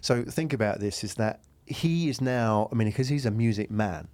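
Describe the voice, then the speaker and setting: A man's voice: lowish voice, animated, normal speed, a little mellow, no room sound. A man hosting a conversational business interview in a studio, explaining at length and often checking in with tag questions. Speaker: host interviewer.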